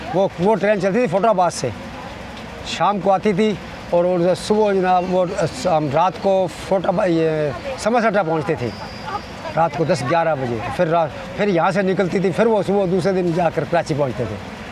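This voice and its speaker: Crowd noise fills the background as a man speaks at a high pitch with ordinary pitch variation. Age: 70s. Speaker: elderly train passenger. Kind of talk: casual interview. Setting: on a moving train. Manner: halting.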